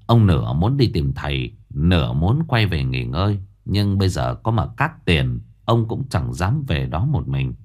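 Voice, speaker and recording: Low, husky male ghost-story narrator. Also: sing-song, measured pace, hardly any pauses, a little mellow. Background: faint music.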